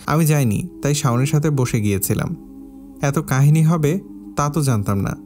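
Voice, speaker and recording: A man's voice: on the high side, expressive, moderate pace, darkish tone, faint music behind, natural voice. A man doing a placating young man.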